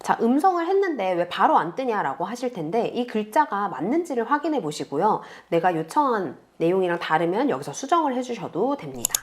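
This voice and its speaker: Patient woman tutor, lively pitch. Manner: patient, explains slowly to beginners. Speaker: online tutor. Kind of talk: step-by-step screen tutorial.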